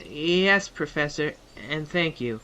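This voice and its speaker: A man's voice: on the high side, animated, slow, bright, forceful tone, smooth, exaggerated voice. A man playing an earnest, polite young magic student, modest and deferential, in a comic fantasy audio drama.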